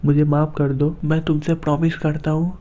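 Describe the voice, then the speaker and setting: A man voicing a fierce young man who threatens coldly and protects a woman he cares for, read in a flat, even way. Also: a little high, moderate pace, close to an everyday voice. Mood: gentle comfort. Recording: dull lo-fi recording.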